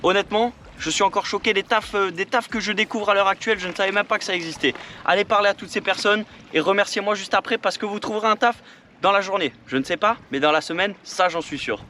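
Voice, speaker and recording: A man's voice: sits high, fast talker, bright, forceful tone, a little hiss or hum. A man giving upbeat, jokey tips in a casual vlog, talking to viewers as friends. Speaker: vlogger giving job tips.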